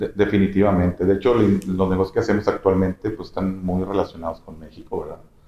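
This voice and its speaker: A man's very deep, low voice, monotone and flat, with big swings in loudness, hardly any pauses and a very fast pace. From Monterrey, northern Mexico. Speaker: entrepreneur. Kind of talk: interview. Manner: halting.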